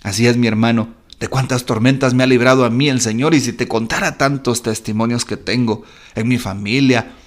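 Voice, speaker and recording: A man, a Catholic priest, giving a fervent devotional reflection on the gospel, speaking straight to the listener and swinging from strong exhortation to soft, hushed passages. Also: medium pitch, steady tone, fairly quick. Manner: fervent, repetitive preaching that swells loud and drops to a hush; addresses the listener directly and intimately.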